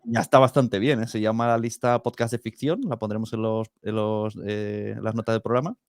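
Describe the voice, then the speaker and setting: A man's voice: fairly low pitch, little pitch movement, fairly quick, dry recording, studio quality. A man with a Peninsular Spanish accent from Spain, interviewing a guest casually as a podcast host.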